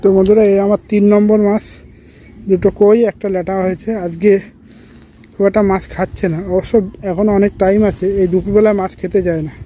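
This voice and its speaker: A man narrating his own fishing trip at a rural pond, chatting casually to viewers and sometimes speaking softly. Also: sits high, fairly even intonation, fast. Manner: chatty, addresses viewers as friends, talks quietly at times. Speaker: fishing vlogger. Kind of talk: casual outdoor vlog narration.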